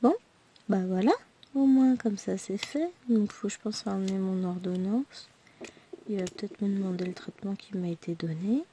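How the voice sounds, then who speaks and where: A woman vlogger with a hoarse voice from a throat infection, chatting to her viewers in a rambling, tired, self-deprecating way. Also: mid-range voice, moderate pace, dark tone, slight background noise. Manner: speaks tired and worn out. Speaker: crafting vlogger. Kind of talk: chatty personal update to viewers.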